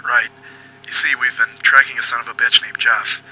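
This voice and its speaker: A man playing a foul-mouthed but apologetic police agent in an audio drama, questioning politely and haltingly. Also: medium pitch, level tone, sharp tone, husky, faint music behind, poor audio. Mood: probing, determined. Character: foul-mouthed, apologetic male detective agent hunting a killer.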